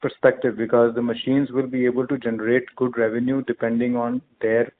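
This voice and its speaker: A man with an Indian accent answering questions as a company executive on an earnings call, in a measured, hesitant, formal corporate way. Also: medium pitch, level tone. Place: conference call. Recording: narrow phone line with clear noise.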